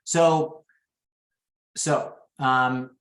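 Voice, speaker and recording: A man running a real estate training webinar over a video call, telling lively stories and acting out quotes. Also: mid-range voice, extremely slow, echoey room. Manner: lively storyteller, acts out quotes.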